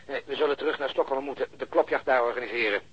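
A man playing a blunt, cynical policeman in a radio drama, talkative and sardonic, with a rough voice over a phone line. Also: mid-range voice, rapid-fire, a bit bright. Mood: matter-of-fact. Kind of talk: Dutch radio drama acting. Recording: muffled band-limited phone line.

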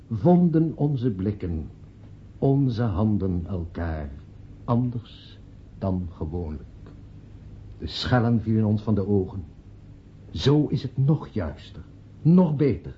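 An actor playing a sentimental man who speaks in a declamatory, measured way in a radio play. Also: mid-range voice, close to an everyday voice. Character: man giving a solemn, sentimental graveside eulogy for a friend. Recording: dull, noisy old radio play recording.

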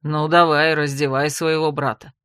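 A woman voicing a sardonic young nobleman with a low, velvety voice, scolding his younger brother in a storybook reading. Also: flat delivery, normal speed, a bit bright, smooth, no room sound, clean studio sound. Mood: scornful. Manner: biting, sarcastic.

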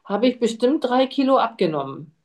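A woman's voice: on the high side, sing-song, normal speed, a little mellow. A woman playing a middle-aged male patient in a medical role-play, talking hesitantly and tagging her sentences with little questions. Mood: worried. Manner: hesitant, chatty, tags sentences with "ne". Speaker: simulated patient.

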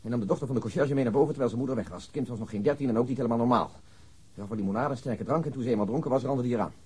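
A man's voice: mid-range voice, racing, dark tone, husky, lightly acted. An actor in a radio drama playing a precise, matter-of-fact male policeman reporting details. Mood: factual, brisk.

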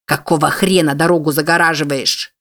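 A narrator voicing an impatient, aggressive man driving a pickup, yelling insults. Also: medium pitch, fairly even intonation, fairly quick, lightly acted. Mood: angry. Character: rude truck driver man, aggressive and impatient.

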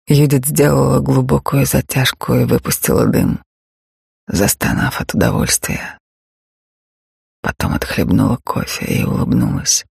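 Gravelly, husky male audiobook narrator. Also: medium pitch, a little mellow, no room sound, studio quality. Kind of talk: first-person novel reading.

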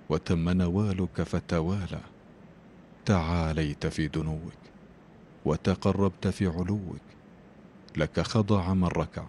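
A man presenting a prayer broadcast, announcing the call to prayer and then reciting a long supplication in a measured, rhythmic cadence. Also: deep voice, warm tone, slight background noise.

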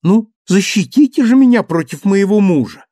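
A man's voice: high voice, normal speed, dry recording, studio quality, pitched above the performer's own voice. A man voicing a playful, petulant young wife who coaxes and pouts. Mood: pouting, coaxing. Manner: coaxing, pouting, lively.

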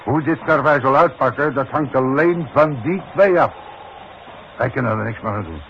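Actor as firm, insistent foreman, mid-pitched male voice. Vintage Dutch radio drama, muffled tape. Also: moderate pace, natural voice. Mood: stern, earnest. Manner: insistent, blunt. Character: stubborn, firm foreman defending his decision. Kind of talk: 1960s Dutch radio play acting. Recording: muffled, hissy 1960s radio recording.

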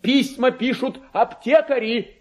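An actor playing a deluded clerk who believes he is a king, in a pompous, erratic, theatrical radio monologue that swings from hushed to shrill. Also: unhurried. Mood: indignant, scornful. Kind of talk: dramatic literary monologue, Russian radio play.

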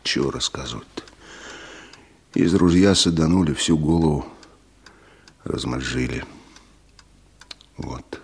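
A low, husky village man speaks slowly and haltingly, weighed down by grief. The style is intimate radio drama. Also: a little mellow, full character voice. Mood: grief-stricken. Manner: slow, halting, muttered. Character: grieving, defeated village man, gloomy and halting. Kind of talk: Russian radio drama acting.

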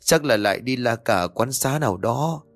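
A man's voice: mid-range voice, animated, normal speed, faint music behind. A man voicing a sorrowful middle-aged mother mourning her daughter, weary and complaining about her husband. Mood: grieving.

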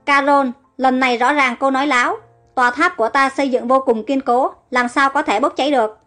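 A woman's voice: sits high, fairly even intonation, fairly quick, fairly bright tone, soft background music. A woman voicing a cruel, suspicious king who speaks harshly and gives orders. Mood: domineering. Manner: domineering, harsh.

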